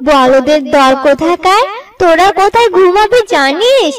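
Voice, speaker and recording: A woman voicing a bossy, quick-tempered bride in a bird cartoon, with exaggerated delivery. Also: very high voice, animated, over music. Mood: angry, scolding. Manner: scolding, switching to coaxing.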